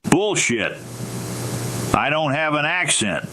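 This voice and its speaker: A man calling in to a live stream, teasing the host in a deadpan, mock-earnest way. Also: on the high side, takes it slowly, background noise. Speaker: call-in prankster.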